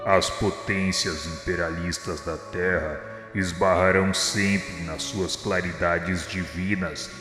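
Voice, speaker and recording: A deep, reverberant voice of a divine lord, acted by a man, speaking very slowly with Brazilian inflection. He is solemn and serene, with exalted, measured phrases. Music plays clearly behind him, as in a devotional radio play. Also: steady tone. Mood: solemn reassurance. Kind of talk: devotional radio drama acting. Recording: reverberant hall effect under clear music.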